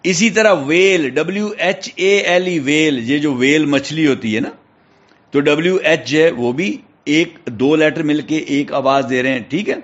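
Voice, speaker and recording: Male teacher, Pakistani accent, spells words slowly, muffled lo-fi recording. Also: on the high side. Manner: spells words letter by letter, checks in with "theek hai". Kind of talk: classroom lecture. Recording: dull lo-fi recording.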